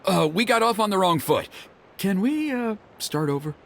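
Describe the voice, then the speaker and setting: A man's voice: high-pitched, moderate pace, vocal fry, exaggerated voice. An actor playing a middle-aged father and tribal elder in a video game, protective and formal in manner. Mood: flustered, apologetic. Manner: formal, expressive, hesitant when flustered. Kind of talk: English video game voice acting. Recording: game music behind the voice. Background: game background music.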